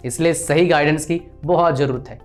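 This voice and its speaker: A man's voice: fairly high pitch, a little fast, soft background music. Earnest Indian man giving career advice. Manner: earnest, lecturing, addresses viewers as brother. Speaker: career counsellor. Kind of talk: direct-to-camera advice talk.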